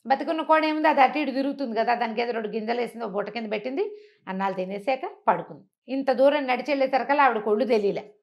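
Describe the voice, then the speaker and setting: A woman's voice: fairly high pitch, rapid-fire, vocal fry, muffled recording. A woman telling a folk story conversationally, acting out the dialogue and asking rhetorical questions as she explains.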